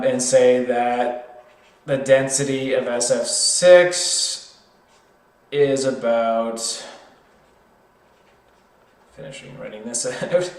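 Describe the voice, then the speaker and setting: A man's voice: mid-range voice, echoey room. A man working through a problem as an informal tutor, hesitant, thinking aloud and correcting himself.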